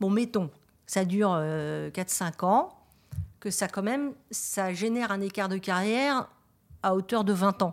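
The pace is very slow, with long, frequent pauses and ordinary pitch variation. The recording is very clean, over a silent background. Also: woman, medium pitch for a woman. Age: 50s. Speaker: business development director in shipping. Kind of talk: interview. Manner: halting, many repetitions and fillers.

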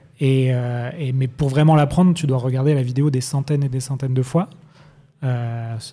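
A man's somewhat breathy voice with a dark, mellow tone, medium in pitch, fairly even in intonation, at a moderate pace. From northern France (Nord). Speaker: video learning startup founder. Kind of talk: casual chat.

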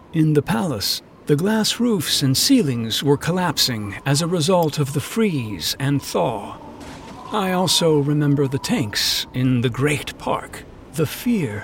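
Very slow speech with very wide pitch swings is heard over noticeable background noise. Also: man. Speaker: ghost narrator guide. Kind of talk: history documentary narration, scripted. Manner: warm, conversational, storytelling; wry, chatty, addresses listener directly.

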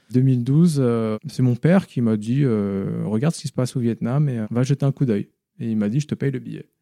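A man's medium-pitched voice, dark and mellow in tone, at a moderate pace with ordinary pitch variation and a dry, close sound with no echo. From Paris suburbs, France. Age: 30s. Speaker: video director. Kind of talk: interview conversation. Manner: casual, hesitant with fillers.

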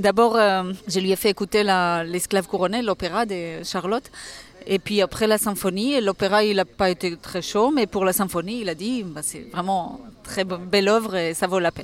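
A woman speaks at a moderate pace in a medium pitch, her intonation fairly even. Her loudness swings widely, and the sound is dry and close with no echo. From Israel. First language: not French (speaking French). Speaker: orchestra conductor. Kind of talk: interview. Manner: halting.

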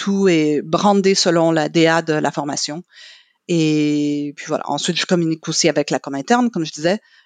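In an English accent, the speaker moves at a moderate pace with ordinary pitch variation and big swings in loudness, in a dry, close sound with no echo against a quiet background. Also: woman, very deep, low pitch for a woman. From Quebec, Montreal. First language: English (speaking French). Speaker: marketing manager. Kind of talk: interview.

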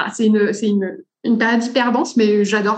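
With audible room echo around her, a woman speaks at a moderate pace and a fairly high pitch. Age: 30s. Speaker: organisation and budgeting coach, entrepreneur. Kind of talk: casual interview chat. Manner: animated.

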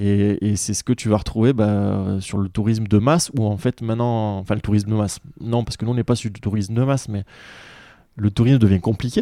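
A man speaks at a fairly quick pace with a fairly low pitch and a dark, mellow tone. His intonation is fairly even, on a very clean recording with a silent background. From southern France, Montpellier. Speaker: trekking guide. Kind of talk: casual interview conversation. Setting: home recording, shared microphone.

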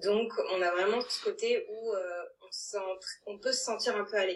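Long, frequent pauses break up delivery that crawls along very slowly. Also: woman. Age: 30s. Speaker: coaching client giving testimony. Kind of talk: testimony. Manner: halting, many hesitations.

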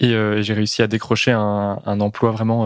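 The sound is dry and close with no echo, and the recording is very clean over a silent background. A man with a fairly low pitch speaks very slowly. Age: 20s. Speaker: carpenter and van builder. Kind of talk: podcast interview.

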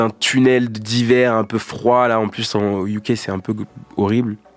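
Over noticeable background noise, a man talks at a very slow pace with monotone, flat intonation. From France, Paris then Grenoble area. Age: 20s. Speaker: rapper. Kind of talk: casual interview. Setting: studio.

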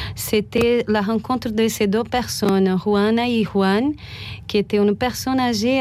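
Speaking at a very slow pace with a Portuguese accent, a woman keeps a fairly high pitch and fairly even intonation. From Brazil, Salvador de Bahia. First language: Portuguese (speaking French). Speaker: missionary. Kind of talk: testimony. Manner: halting, many repetitions.

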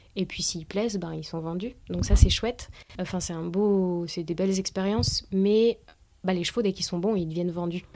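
A woman's normal speaking voice at medium pitch, moderately paced, with fairly even intonation. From France, Auvergne. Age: 30s. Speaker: cheerleading athlete. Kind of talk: casual interview.

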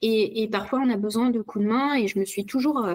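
A woman talks in an ordinary speaking voice. Her pitch is fairly high, and her intonation is fairly even. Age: 30s. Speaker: real estate sales manager. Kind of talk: interview.

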